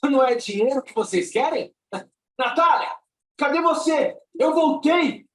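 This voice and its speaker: A man acting a desperate, excitable lover trying to get in, in an audio drama. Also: extremely high pitch, a little slow. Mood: desperate, excited.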